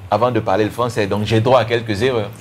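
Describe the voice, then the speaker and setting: A man from Cameroon whose first language is Bassa, a guest explaining history in a panel discussion with frequent restarts. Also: fairly even intonation, fast, heavy background noise. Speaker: guest commentator.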